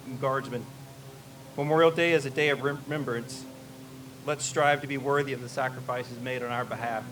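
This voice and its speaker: A man's voice: medium pitch, fairly bright tone, far from the mic, low-quality recording. A man with a Kentucky accent, a retired Navy commander, giving a formal memorial speech. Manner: folksy asides, then a solemn prepared address.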